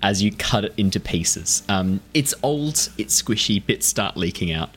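A man's voice: on the low side, lively intonation, a little slow. A man acting as game master, giving vivid descriptive narration mixed with casual chat.

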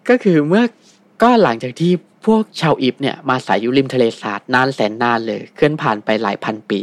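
Fast-talking man retelling a tale. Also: mid-range voice, dry recording. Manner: relaxed, fast retelling with many fillers. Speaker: guest storyteller. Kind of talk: casual storytelling chat.

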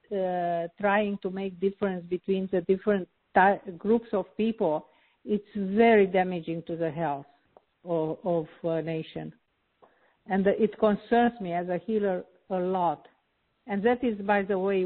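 Romanian-born woman healer, interview guest, very slow halting delivery, tinny phone-quality audio. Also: on the low side. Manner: slow, hesitant, frequent filler pauses. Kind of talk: interview conversation.

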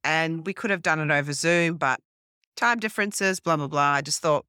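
An Australian woman in her forties tells her story in a restless, self-correcting rush, her first language French. Her voice is bright and smooth. The sound is dry and close. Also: low-pitched, moderate pace, no echo. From grew up in French Polynesia, then Australia. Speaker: podcast guest. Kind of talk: casual interview storytelling. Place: hotel room.

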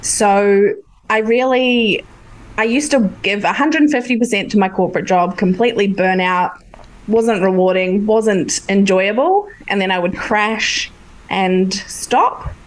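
A woman's voice: medium pitch, a little slow, low-quality recording. A woman from New Zealand with a light accent between New Zealand and Australia, a hypnotherapist chatting openly and eagerly as a podcast guest. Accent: light New Zealand-Australian blend. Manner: open, enthusiastic, self-deprecating. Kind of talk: casual interview chat.

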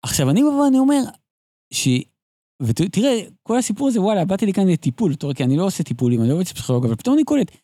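Male guest storyteller, animated and digressive, higher-pitched, mellow tone. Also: no echo, clean studio sound. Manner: animated, digressive, frequent restarts. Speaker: interview guest, writer. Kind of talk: casual storytelling conversation.

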